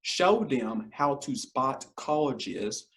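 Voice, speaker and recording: A young man with a scratchy, deep, hoarse voice, hosting an education podcast from his living room and talking straight to the camera, repeating his key points. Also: animated, drawn-out words, a bit bright. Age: young adult. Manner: direct, repeats key points, addresses parents as y'all. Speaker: podcast host. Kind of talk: casual educational monologue. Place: home living room, indoors.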